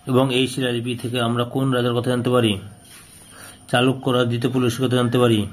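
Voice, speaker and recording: A man's voice: mid-range voice, level tone, quick pace. A man teaching by reading out questions and answers, repeating phrases as if dictating. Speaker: history teacher solving an exam paper.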